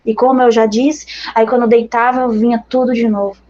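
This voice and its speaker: A woman's voice: fairly high pitch, level tone, fairly quick, mellow, muffled recording. A woman missionary with a Brazilian accent giving an earnest, conversational religious testimony to her brothers and sisters in faith.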